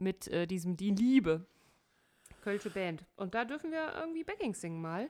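Speaking at a medium pitch and a moderate pace, a woman swings her pitch very widely and leaves long, frequent pauses. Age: 40s. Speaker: podcast co-host. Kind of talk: casual chat.

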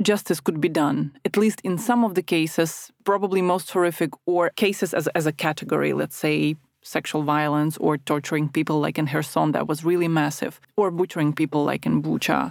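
With a Ukrainian accent, a woman talks in a very deep, low pitch with vocal fry, very even loudness and hardly any pauses, her dry, close sound carrying no echo on a very clean recording with a silent background. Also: ordinary pitch variation. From Ukraine. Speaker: podcast host and journalist. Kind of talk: interview; casual chat.

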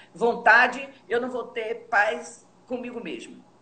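A woman's high pitch rings out through audible room echo and noticeable background noise. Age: 70s. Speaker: sports radio reporter. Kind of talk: casual interview chat. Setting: online live stream.

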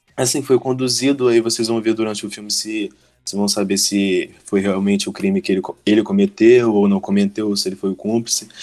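At a fairly quick pace, the voice moves with fairly even intonation and a dark, mellow tone. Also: man, fairly low pitch for a man. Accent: Rio de Janeiro. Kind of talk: casual chat.

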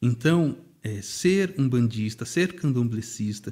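Here is a man with an unremarkable speaking voice at a medium pitch. His intonation is lively. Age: 40s. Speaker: adoptive father of six. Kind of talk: testimony.

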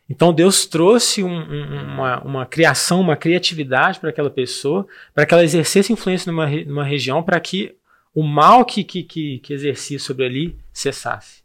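At a moderate pace, a man with a fairly high pitch talks in a normal speaking voice with ordinary pitch variation. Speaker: podcast co-host.

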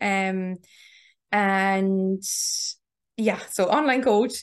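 A woman with an Irish accent and fairly even intonation, against a quiet background. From Ireland, Tipperary. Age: 20s. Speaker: online fitness coach and student. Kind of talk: personal testimony in casual interview.

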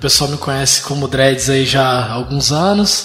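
A man's speech proceeds at a moderate pace while music plays in the background. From Brazil, Diadema (Greater São Paulo). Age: 20s. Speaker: front-end developer and podcaster. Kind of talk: casual chat.

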